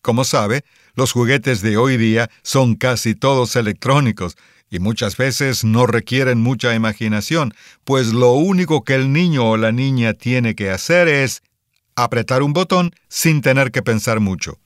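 A man from Cuba playing a toy company president answering interview questions in a sincere, measured way, in a scripted listening-exam dialogue. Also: mid-range voice, dry recording, studio quality, lightly acted. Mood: earnest. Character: earnest male immigrant toy company boss.

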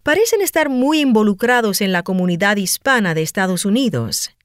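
A woman's voice: medium pitch, big pitch swings, fairly quick, no room sound, studio quality, natural voice. A woman playing a polite radio show host who interviews her guest in a gracious, admiring manner, in a scripted listening-exam dialogue.

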